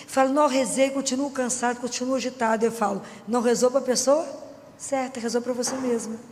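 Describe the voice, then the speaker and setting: A woman's voice: high-pitched, a little mellow. A middle-aged woman with a Minas Gerais accent preaching a conversational sermon and keeping the audience engaged with frequent questions. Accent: Minas Gerais Brazilian Portuguese. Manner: chatty, keeps asking the audience for agreement. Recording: long hall reverb with faint music.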